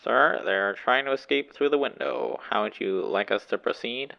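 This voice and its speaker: A man voices an obedient villain's henchman in an audio drama. His voice is heavily creaky at a medium pitch, and the sound is dull and muffled. He is formal and deferential. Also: normal speed. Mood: dutiful. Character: obedient male henchman reporting to his boss. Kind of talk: ASMR audio roleplay acting.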